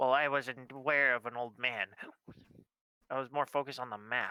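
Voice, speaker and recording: A put-on character voice at a low-to-middle pitch, with monotone, flat intonation and a moderate pace. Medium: actual play. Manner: snippy.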